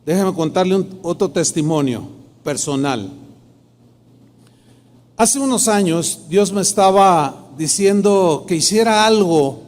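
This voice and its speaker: A man's voice: sits high, lively intonation, slow, darkish tone. A middle-aged man, a pastor telling a personal testimony in a sermon, acting out the dialogue in shifting tones. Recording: long hall reverb.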